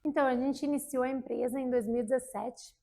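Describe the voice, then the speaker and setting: Woman in her thirties, relaxed interview guest, filler-heavy, raised pitch. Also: quick pace. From Germany, raised in Brazil. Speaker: guest, electrical engineer. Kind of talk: casual interview talk.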